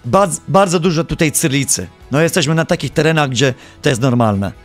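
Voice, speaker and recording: A man streaming live, giving gameplay commentary in an animated, joking and playfully exasperated way. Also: on the high side, brisk, soft background music.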